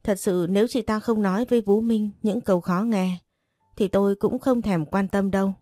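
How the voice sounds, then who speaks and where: A woman calmly narrating a first-person story. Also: medium pitch, normal speed, no echo. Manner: calm first-person telling.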